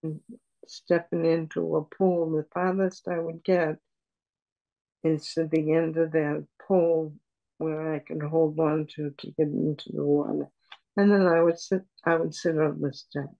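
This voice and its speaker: An older woman on a video call at home, speaking softly and haltingly with many pauses as she talks about her life as a patient. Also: deep voice, level tone, vocal fry, lo-fi sound. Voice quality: soft voice. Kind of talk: personal account in an interview. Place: room at home. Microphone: video call webcam.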